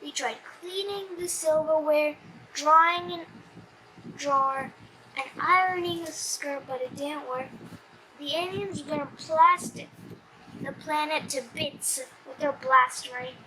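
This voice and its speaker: A child reading a comic storybook aloud in an animated, slightly stumbling way. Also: sits high, slow pace, background noise.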